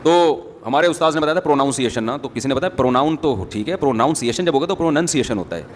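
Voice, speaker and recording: A man's voice: fairly high pitch, animated, slight background noise. A man giving a sermon, talking to the audience in a conversational way with joking asides. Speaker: Islamic preacher. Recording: long hall reverb, faint ambience.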